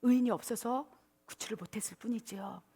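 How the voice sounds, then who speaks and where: A high-pitched woman preaches at a church service with lively energy. She often slips into coaxing, pleading voices to act out prayers. She sounds middle-aged and speaks like a pastor. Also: a little fast, vocal fry, slightly rough. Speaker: pastor and missionary. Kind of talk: sermon.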